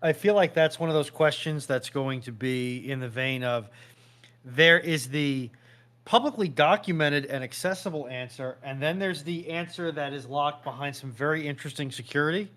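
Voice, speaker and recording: A man speaking as a panelist in an informal live discussion, in a measured, wordy, wry way. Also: fairly high pitch, a bit bright.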